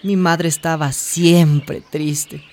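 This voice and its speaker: An actress playing a warm, hopeful young trans woman who narrates her life in a radio drama in a confiding, emotive way. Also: sits low, fairly even intonation, very slow, a little hiss or hum, heavily acted. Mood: wistful, reflective. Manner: confiding, emotive, sighing interjections.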